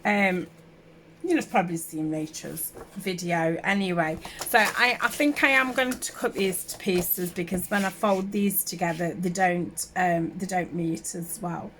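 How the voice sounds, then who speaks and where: A woman with a sore throat from a summer cold and a slightly hoarse voice, chatting casually and rambling with many fillers as she works through a craft tutorial at home. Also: on the low side, a little slow, fairly bright tone, slight background noise. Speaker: craft channel host.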